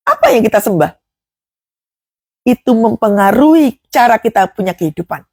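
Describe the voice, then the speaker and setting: A woman's voice: fairly high pitch, darkish tone, slightly rough, no echo, studio quality. A woman preaching a devotional sermon, emphatic, with rhetorical questions and acted prayers.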